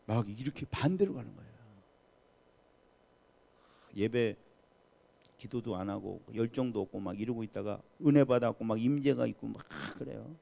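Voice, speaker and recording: A man's voice: on the low side, moderate pace, gravelly, long pauses, mellow. A man preaching a sermon as pastor at a midweek prayer service, talking emphatically and putting questions to the congregation.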